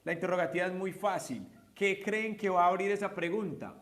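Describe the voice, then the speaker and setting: A patient male teacher with a slightly high voice walks his class through grammar in Spanish, dropping in English example sentences. He keeps checking in with quick questions. The recording carries a faint background hiss. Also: a bit bright. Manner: patient, step-by-step, asks students checking questions. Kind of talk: online class explanation.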